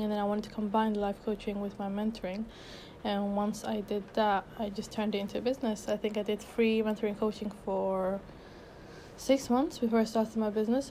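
A young woman from Sweden chats through her own unedited podcast as a life coach, upbeat and loose, full of fillers and restarts. Her voice stays mellow and fairly level in pitch, and she sounds a little out of breath. Faint noise hums behind her. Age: 20s. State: a bit out of breath. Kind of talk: casual unedited solo podcast.

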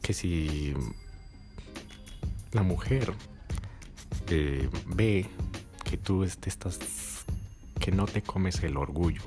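A man's voice: sits low, drawn-out words, pauses often, over music. A man hosting a podcast, giving blunt casual advice and swearing freely, often checking if the listener follows. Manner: blunt and swearing, keeps asking "you get me?". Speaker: podcast host.

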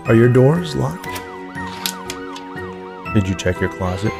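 A man's voice: mid-range voice, lively intonation, takes it slowly, creaky, over music. A man hosting his fiction podcast, reading scripted introductions and stories in an audiobook style. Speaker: podcast host, writer and narrator.

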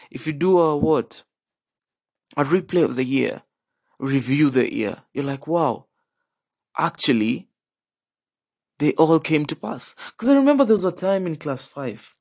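A young man with a Kenyan accent tells stories in a casual, animated, chatty monologue, checking in with the listener and dropping in Swahili slang. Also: medium pitch, gravelly, no room sound, studio quality. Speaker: podcast host.

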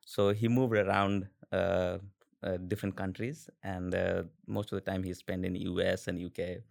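A man in his twenties with an Indian accent, a podcast guest telling stories casually with halting restarts and fillers. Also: sits low, little pitch movement, creaky. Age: 20s. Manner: halting, many restarts and fillers, laughs often. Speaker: interview guest. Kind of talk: casual conversational storytelling.

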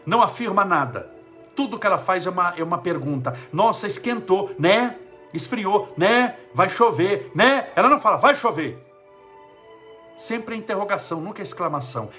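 Brazilian guy giving a spiritual pep talk, swoopy lively voice, jokey, talks right at you. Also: sits high. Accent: Brazilian Portuguese. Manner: animated, joking, addresses listener directly. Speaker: spiritist lecturer.

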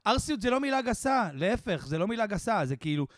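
A man's voice: sits high, sing-song, no echo, studio quality. A young man co-hosting a podcast, chatting casually and chiming in with asides. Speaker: podcast co-host. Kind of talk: casual chat.

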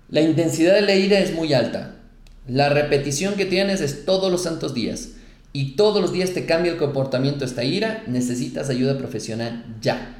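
Upbeat man coaching in an echoey room. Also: a little high. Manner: animated, upbeat coaching with rhetorical questions. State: sore throat. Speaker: podcast host and coach. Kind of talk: motivational podcast monologue.

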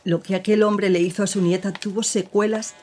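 An actress playing a woman who gravely recounts her partner's past in an audio drama, with measured, serious storytelling. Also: mid-range voice, fairly even intonation, background noise, lightly acted.

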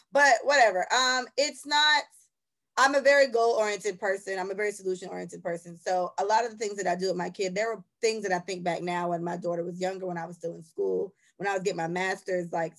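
A woman in her thirties, raised in Jamaica, talking candidly and emphatically with frequent profanity as a podcast co-host. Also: medium pitch. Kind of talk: casual podcast chat.

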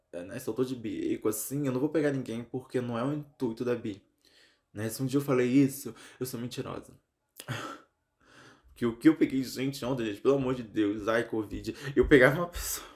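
A young Brazilian man vlogging in casual chat, venting dramatically and exasperatedly, his voice leaping up and down. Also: darkish tone. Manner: dramatic, exasperated venting with big pitch swings.

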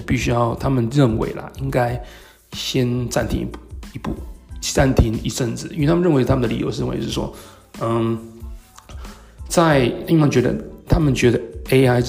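A man with a Taiwanese Mandarin accent and a gravelly voice hosts a solo podcast talk, explaining things in a halting way with hesitant pauses. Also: mid-range voice, a little mellow, soft background music. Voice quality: gravelly, creaky. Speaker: podcast host. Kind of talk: solo talk explaining tech and market topics.

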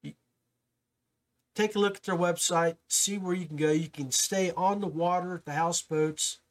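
A man hosts a podcast in a relaxed, rambling way, with fillers and restarts. His voice sits a little high for a man. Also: moderate pace. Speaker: podcast host. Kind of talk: casual podcast talk.

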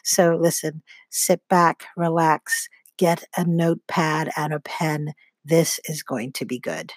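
A Nigerian-accented woman hosts her podcast with an enthusiastic, effusive delivery. Her voice sits a bit low for a woman. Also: slow. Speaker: podcast host. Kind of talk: podcast interview hosting.

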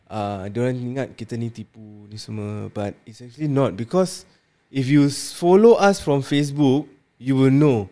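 A man's voice: mid-range voice, moderate pace, warm tone. A man chatting casually with a Malay-speaking Southeast Asian accent, mixing slangy English and Malay with lah particles. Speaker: shop owner and live seller being interviewed. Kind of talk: casual chat.

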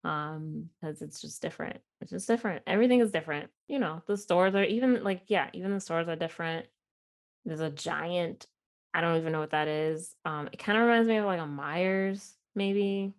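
Chatty Midwestern woman with a lowish voice. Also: a little fast. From Chicago. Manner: chatty, self-deprecating, laughs often, many fillers. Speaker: podcast host. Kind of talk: casual solo podcast chat.

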